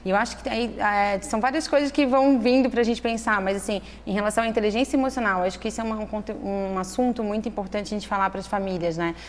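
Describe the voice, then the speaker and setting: A woman speaks at an ordinary mid pitch in a thoughtful, explanatory way. She often checks in with her listener as she talks. The recording carries a long reverb with a faint hiss behind it. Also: fast talker, few pauses. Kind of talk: conversational interview. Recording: echoey room with faint noise.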